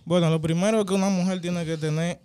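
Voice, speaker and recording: A young man, a guest on a casual Christian podcast, speaking earnestly and softly at a studio mic. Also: high voice, fairly even intonation, fairly quick, clean tone. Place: small indoor home studio. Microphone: studio mic on stand.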